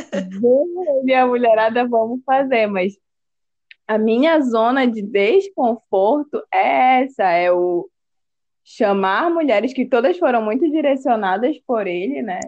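A woman with a Belém accent speaks at a fairly slow pace in a high pitch, with lively intonation. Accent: Belém accent with hissing s, mistaken for Rio. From Belém do Pará, Brazil. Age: 20s. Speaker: occupational therapist and church youth leader. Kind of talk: casual chat with faith testimony.

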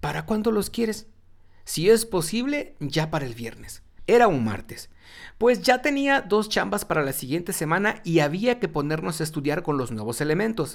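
Speaking at a moderate pace with a Mexican accent, a man uses a high pitch and very wide pitch swings. The recording is very clean with a silent background. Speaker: podcast host reading a book aloud. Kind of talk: reading aloud.

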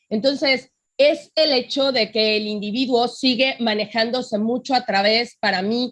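A woman's plain, everyday voice, fairly high in pitch with ordinary pitch variation, at a fairly slow pace. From Mexico. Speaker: psychologist. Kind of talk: casual panel discussion.

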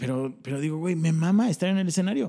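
Very clean, silent-background audio of a dark, mellow tone. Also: man. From Mexico, Querétaro. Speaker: comedian and comedy club owner. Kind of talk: casual chat. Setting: in person studio.

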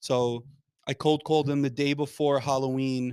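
A man with a New York accent speaks in a medium pitch with monotone, flat intonation, in a dry, close sound with no echo on a very clean recording with a silent background. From New York City (Queens). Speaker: pizza restaurant owner. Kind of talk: casual interview.

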